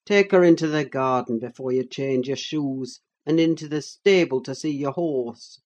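A woman doing a gruff, scornful middle-aged man. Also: a bass voice, normal speed, a little mellow. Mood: commanding. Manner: gruff, contemptuous. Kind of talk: audiobook character voice.

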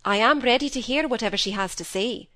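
A woman voicing a stern middle-aged male doctor and father, speaking in a measured, reproving way. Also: fairly high pitch, a bit bright, pitched above the performer's own voice, close to an everyday voice.

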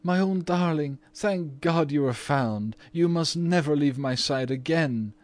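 A man's voice: fairly high pitch, measured pace, darkish tone, voice pushed up, close to an everyday voice. A man reading aloud, voicing a tender mother clinging to her child. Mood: relieved.

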